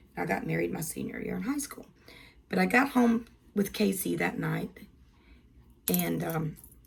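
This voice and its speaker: At a moderate pace, a woman talks with long, frequent pauses over noticeable background noise. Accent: American. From Central Florida. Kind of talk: casual unboxing vlog with personal storytelling. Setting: home filming setup with lights. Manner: chatty, rambling.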